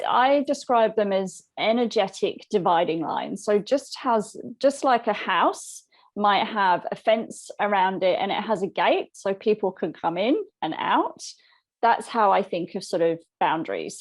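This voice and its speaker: A middle-aged woman from England with an English accent tinged by Australia, a coach talking calmly and reflectively in a casual interview. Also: medium pitch. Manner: calm, reflective, gentle. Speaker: boundaries coach and guest.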